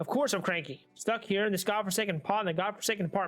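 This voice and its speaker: Over faint music in the background, a man does a gruff, high-pitched put-on character voice at a very fast pace, with ordinary pitch variation and very even loudness. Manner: cranky, complaining.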